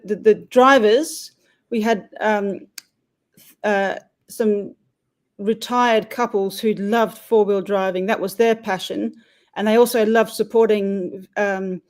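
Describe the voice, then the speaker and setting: A woman's voice: medium pitch, a little mellow. Rambling woman guest on a call. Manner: rambling with many ums and restarts. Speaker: expedition cyclist guest. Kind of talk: casual interview over a call.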